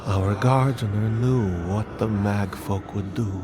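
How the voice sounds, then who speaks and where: A grave ghost of a drowned ancient people, stern and mournful. He speaks extremely slowly and deliberately in a lowish voice, with game music clearly behind him. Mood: stern, probing. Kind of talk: fantasy game voice acting.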